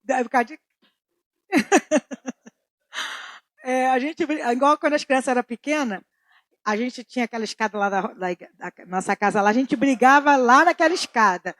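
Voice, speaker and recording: A woman's voice: high-pitched, moderate pace, long pauses, a bit bright, no room sound, studio quality. A middle-aged woman teaching a church Bible study in a conversational way, repeating key phrases and asking the audience questions.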